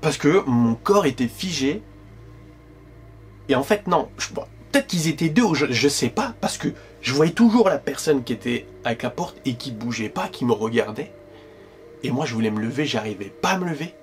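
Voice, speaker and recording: A man telling a paranormal storytime to camera in a casual, slangy, animated way, constantly addressing the listener. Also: medium pitch, normal speed. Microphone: directional microphone.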